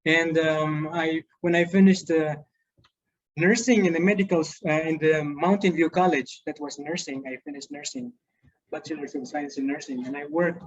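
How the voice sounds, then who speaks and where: A middle-aged man from the Philippines with a Filipino accent, giving a halting testimony talk full of fillers and restarts. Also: fairly high pitch, fairly even intonation. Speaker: guest speaker, doctor. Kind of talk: testimony talk on a video call. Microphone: video call. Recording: dull lo-fi call audio.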